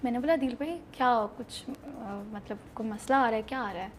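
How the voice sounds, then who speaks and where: Young pakistani woman, high voice, lively storyteller acting out lines, faint room noise. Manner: animated storyteller acting out quoted dialogue. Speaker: actress guest. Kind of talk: casual interview storytelling. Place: interview set.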